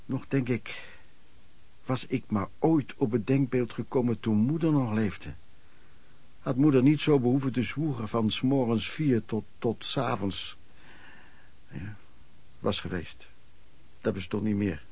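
An actor playing a hardworking itinerant peddler, looking back on his life in colloquial, reflective radio drama narration with a husky voice. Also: medium pitch, unhurried, pauses often, mellow, no echo. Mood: wistful.

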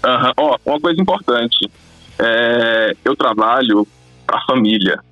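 A man's voice: mid-range voice, unhurried, bright, forceful tone, soft background music. A man calling in over the phone, rambling and hesitant in casual chat. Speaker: caller. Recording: dull, dry phone line.

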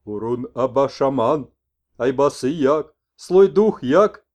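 Guy doing an old shaman in a storybook, loud broken chants, slowed way down. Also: medium pitch, lively intonation. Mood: chanting. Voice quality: broken speech, chanting exclamations. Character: old toothless northern shaman messenger, excitable.

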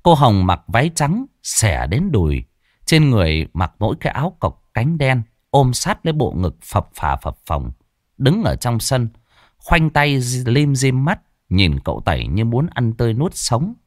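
A man's voice: mid-range voice, huge pitch swings, a little slow, no echo, studio quality. Dramatic storyteller man. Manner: dramatic, swooping delivery. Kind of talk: folk ghost story narration.

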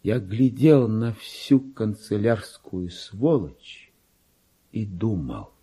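An actor playing a deluded petty clerk who believes himself a king, in a theatrical radio monologue with a husky, grandiose and erratic delivery. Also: expressive, very slow, exaggerated voice. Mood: smug, secretive. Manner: grandiose, erratic, swinging from hushed confiding to shrill outbursts.

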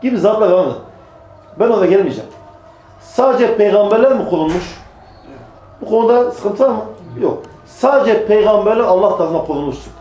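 A man's voice: high voice, lively intonation, a little fast, mellow, roomy sound, soft background music, rough recording. A man preaching to a small group, emphatic, repeating phrases and answering his own rhetorical questions. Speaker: religious preacher. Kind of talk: religious talk to a small group.

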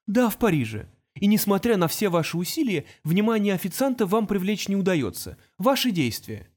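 A man's voice: high-pitched, sing-song, brisk, a little mellow, pitched above the performer's own voice. A man voicing a patient teenage boy genius who talks in a precise, lecturing way.

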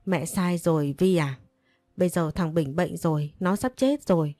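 A woman's voice: on the low side, moderate pace, mellow, no room sound, clean studio sound, soft background music, natural voice. A woman voicing a desperate older mother who pleads tearfully in a story. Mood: pleading. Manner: begging, sobbing pleas.

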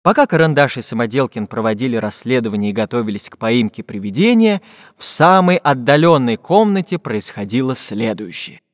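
A man narrating a children's fairy-tale audiobook in an expressive, lively manner. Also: mid-range voice. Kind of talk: scripted storybook narration. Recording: dry voice with long reverb tail.

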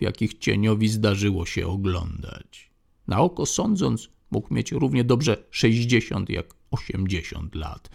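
Slow gravelly male audiobook narrator. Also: lowish voice. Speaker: audiobook reader.

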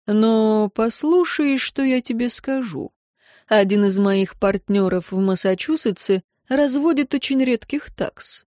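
A woman doing a condescending rich gentleman. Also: a little high, a little slow, dry recording, studio quality, close to an everyday voice. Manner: patronizing, dismissive. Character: condescending wealthy middle-aged male guardian.

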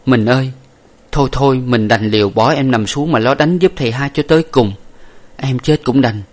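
Guy doing a hurt young wife voice, higher and breathy, begging softly. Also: moderate pace, natural voice. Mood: pleading. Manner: soft, pleading, tearful. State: weak and breathless. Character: gentle young wife, wounded, self-sacrificing.

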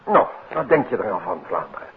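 An actor playing an anxious gentleman who presses for answers, insistent and questioning, in a 1950s Dutch radio drama. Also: fairly low pitch, big pitch swings, a little fast, gravelly, slightly rough, exaggerated voice. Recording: muffled, noisy 1950s radio recording.

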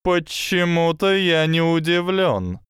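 A man voicing a cunning, sardonic male snake who lectures slowly and conspiratorially in an audiobook. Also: a little high, animated, fairly bright tone, clear, resonant tone, no room sound, pitched above the performer's own voice. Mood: scheming. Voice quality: hissing, dry sardonic tone. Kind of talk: audiobook character voice.

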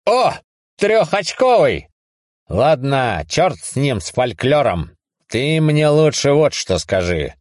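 A man's voice: medium pitch, sing-song, slow pace, a little mellow, no echo, clean studio sound, voice pushed up. A man reading a story aloud, voicing an irritable, hungover man who swears and snaps sarcastically. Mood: sarcastic. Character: irritable hungover man woken at night, foul-mouthed. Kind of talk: audiobook reading.

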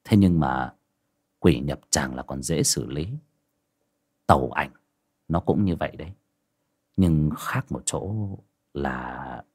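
A man voicing a calm, grim young exorcist in a folk ghost story. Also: slow pace, long pauses, no room sound, clean studio sound, full character voice. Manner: flat, low, muttered.

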